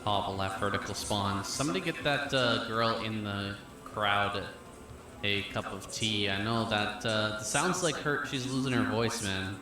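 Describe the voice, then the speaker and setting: A man's voice: on the low side, a little slow. Hype-building male esports commentator, echoey. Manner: energetic, hyping up the match. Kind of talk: play-by-play commentary. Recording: very roomy broadcast audio with music.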